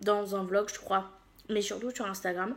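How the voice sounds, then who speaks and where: Her pitch is medium. The woman talks at a moderate pace. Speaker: YouTuber. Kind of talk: casual chat while eating (mukbang). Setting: at home at a table, partner beside her. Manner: chatty, eating sounds, mouth full at times.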